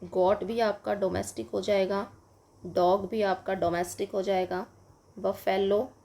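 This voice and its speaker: A woman's voice: medium pitch, fairly even intonation, vocal fry, dark tone. A woman with an Indian accent teaching a children's English lesson, explaining in Hindi and asking and answering her own questions. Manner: slow, patient, addresses children, asks and answers own questions.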